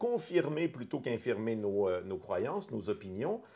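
A man speaks with a Canadian French accent, his pitch swinging very widely. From Canada. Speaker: philosopher; interview guest. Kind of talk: interview. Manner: halting. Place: home room. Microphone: lapel.

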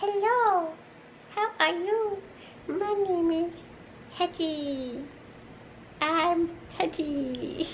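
An extremely high-pitched, put-on character voice speaks at a very slow pace. Clear background noise is present.

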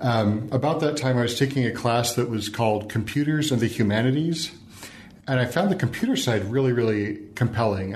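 A man with an American accent at medium pitch, fairly quick pace and ordinary pitch variation, with audible room echo. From Idaho, US. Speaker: programmer and author. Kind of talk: interview.

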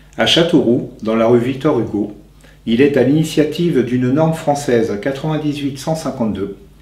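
A man talks with ordinary pitch variation, and room echo can be heard around him. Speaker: presenter. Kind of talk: prepared presentation. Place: home room. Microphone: camera far.

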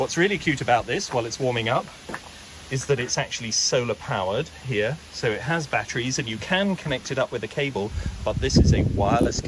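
The speech moves at a fairly quick pace, with a dry sound with no echo and noticeable background noise behind it. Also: man. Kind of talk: casual vlog demonstration. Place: street. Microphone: phone near.

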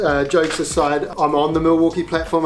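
A man's high-pitched voice at a fairly quick pace, with faint music in the background. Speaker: tradesman tool reviewer. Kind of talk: casual tool review chat. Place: garage.

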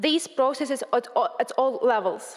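A woman with a Ukrainian accent, high-pitched, with ordinary pitch variation and a moderate pace, against a quiet background. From Ukraine. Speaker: student union president. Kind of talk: prepared speech. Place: hall. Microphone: podium.

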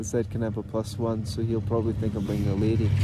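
A man talks at a very fast pace. The sound is dry with no echo, though noticeable background noise is present. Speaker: podcast host. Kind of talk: casual chat. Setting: outdoors. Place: open country. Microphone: phone near.

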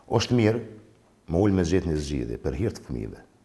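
A man's dark, mellow tone laced with vocal fry. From Kosovo, Drenica region; Kosovo. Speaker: war veteran; interview guest. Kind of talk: interview. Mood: emotional war recollection. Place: studio.

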